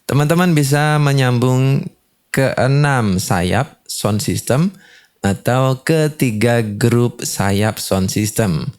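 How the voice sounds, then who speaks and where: A man's voice: medium pitch, lively intonation, takes it slowly, darkish tone, smooth. A man presenting a step-by-step tutorial, explaining and often adding short confirming tags. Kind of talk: step-by-step instructional demonstration.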